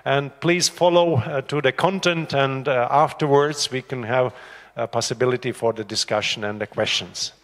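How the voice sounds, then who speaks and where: A man's voice: mid-range voice, normal speed. A man hosting a conference, giving housekeeping notes and introducing a speaker, hesitant with many fillers and light humor. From Latvia. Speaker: conference host. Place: conference room. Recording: reverberant conference hall.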